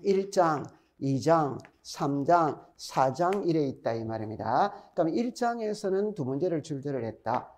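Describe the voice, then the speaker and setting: Middle-aged lecturer, Gyeongsang accent, lively up-and-down delivery, mellow tone, drills points by repeating them. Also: male voice, fairly high pitch, normal speed, hardly any pauses. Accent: Gyeongsang Korean. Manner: chatty, repeats key points, quizzes students. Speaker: exam-prep instructor. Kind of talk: recorded classroom lecture.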